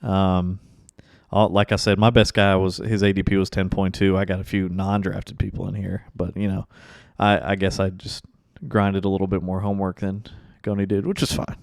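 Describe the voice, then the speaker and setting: A man with a raspy, tired baritone, hosting a casual sports podcast in a rambling, joking way. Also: level tone, normal speed, no room sound, clean studio sound. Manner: rambling, joking, restarts sentences. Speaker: podcast host.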